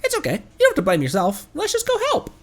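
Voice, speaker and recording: A woman voicing a tiny, cheeky female companion sprite with a childlike squeak for a video game. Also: wildly swooping pitch, fast talker. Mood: chirpy, helpful.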